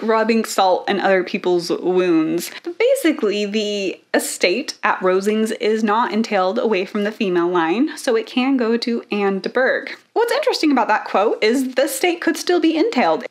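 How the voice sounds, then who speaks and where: Chatty woman explaining, slightly hoarse. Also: fairly high pitch. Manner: animated, chatty, acts out quotes. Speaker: literature video host. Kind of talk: casual educational explainer.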